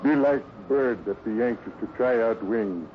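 An actor playing a loyal, gentle ranch hand who speaks earnest broken English with a foreign accent in a 1950s radio western. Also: male voice, medium pitch, moderate pace, lightly acted. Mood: gentle, coaxing. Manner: broken pidgin grammar, earnest and soothing. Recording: muffled, noisy old radio recording.

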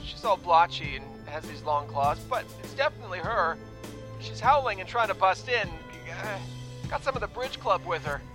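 A man playing a radio caller who talks haltingly and matter-of-factly, with many uh's. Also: high voice, expressive, over music. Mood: hesitant. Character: hesitant man calling in a song request.

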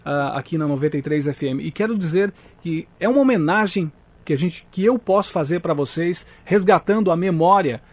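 A man's voice: on the high side, fairly quick, darkish tone. A Brazilian man hosting a live radio interview, formal and respectful in his announcing. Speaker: radio host.

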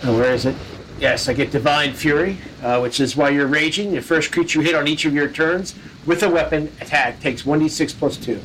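A man's voice: fairly high pitch, brisk, fairly bright tone, slight background noise, rough recording. A man playing a tabletop game, swearing casually and checking the rules aloud. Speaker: player.

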